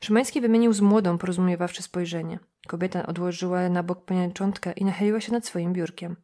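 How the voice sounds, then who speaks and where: Mellow-voiced woman reading an audiobook. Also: on the low side, steady tone, brisk. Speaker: audiobook narrator. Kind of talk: scripted narration.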